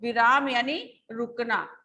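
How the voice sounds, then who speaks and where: Woman teacher, high voice, patient, explains step by step, video call. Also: bright, forceful tone. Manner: patient, explains slowly with examples. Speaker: school teacher. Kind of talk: online class lecture.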